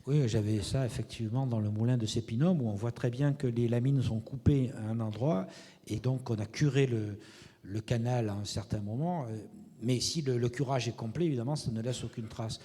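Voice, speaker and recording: A man leading a seminar, asking measured questions and thinking aloud about the findings. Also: medium pitch, dark tone, husky. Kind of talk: academic discussion. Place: lecture hall. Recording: reverberant lecture hall.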